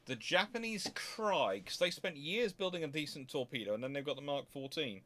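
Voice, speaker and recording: A man's voice: a little high, expressive, normal speed, bright, forceful tone. Rambling man thinking aloud. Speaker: host answering viewer questions. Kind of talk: casual off-the-cuff question-and-answer commentary.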